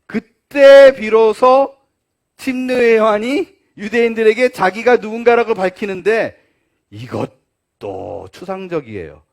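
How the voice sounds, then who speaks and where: A man's voice: sits high, animated, a little slow. A male pastor preaching a sermon, acting out the dialogue of the story as he tells it.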